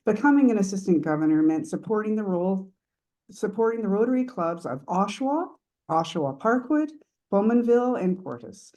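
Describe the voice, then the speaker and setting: A woman reading a prepared introduction of a guest speaker at a meeting in a formal, measured manner. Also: on the low side, dark tone.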